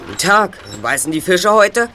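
A man's voice: sits high, big pitch swings, moderate pace, bright, forceful tone, a little hiss or hum, full character voice. A young male actor playing a polite, wary teenage boy detective in an audio drama. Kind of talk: German youth audio drama acting.

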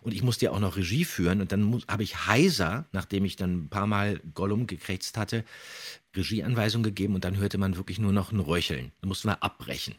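A man's voice: low voice, brisk, husky. A man who hosts a podcast and voice acts, commenting casually and animatedly on audio dramas, with theatrically quoted lines. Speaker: podcast host and voice actor.

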